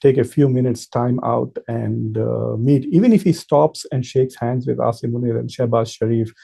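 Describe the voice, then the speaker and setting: Guy doing off the cuff political analysis, really dark mellow voice, kinda husky, makes his case point by point. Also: medium pitch, steady tone, moderate pace. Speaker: political commentator and professor. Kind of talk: informal political commentary to camera.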